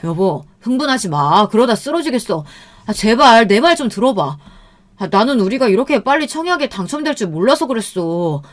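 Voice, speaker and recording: A woman's voice: fairly low pitch, animated, a little fast, darkish tone, natural voice. Apologetic, evasive young husband voiced by a woman. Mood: pleading. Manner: placating, excuse-making.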